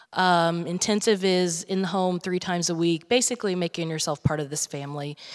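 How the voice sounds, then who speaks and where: The intonation is fairly even. The recording is very clean, with a silent background. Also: woman. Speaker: therapist. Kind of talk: presentation to parents. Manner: loud.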